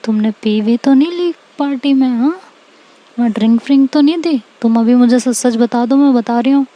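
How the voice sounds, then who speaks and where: Brief: woman storyteller doing a playful, teasing teen girl, a touch high and mellow. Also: highs cut off, close to an everyday voice. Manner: playful teasing, drawn-out questions ending in "haan". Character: teenage girl Tanya, teasing, devoted girlfriend.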